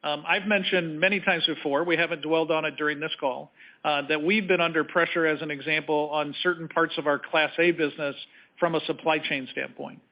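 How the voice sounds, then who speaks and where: A man speaking as a company executive on an earnings call, answering in measured, halting corporate phrasing. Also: fairly high pitch, steady tone. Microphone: conference call line. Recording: slightly dull conference call audio.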